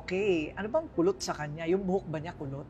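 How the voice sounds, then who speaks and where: A woman's voice: on the low side, fast, in a large hall, muffled recording, crowd noise. A middle-aged woman hosting a casual interview, asking questions in a playful, teasing way. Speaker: interviewer, talk show host.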